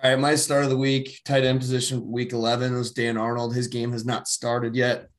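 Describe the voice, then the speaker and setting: A man with a plain mid-range voice, co-hosting a fantasy football chat. He talks in a relaxed way and laughs at himself. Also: mid-range voice, moderate pace. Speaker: podcast co-host.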